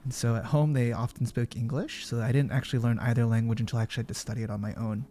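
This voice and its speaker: A man hosting a casual stream, chatting in an animated way and laughing often. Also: mid-range voice, very fast, a little hiss or hum. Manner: animated, laughs often, usually shouts into mic. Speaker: streamer host. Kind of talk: casual chat while crocheting.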